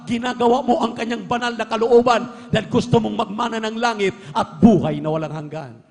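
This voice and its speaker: Male preacher, fervent sermon delivery; very high pitch, gravelly edge, long church reverb. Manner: fervent, peppers speech with "hallelujah", swings from hushed to shouting. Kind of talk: Pentecostal-style sermon. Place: large church hall. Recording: long hall reverb from a church live stream.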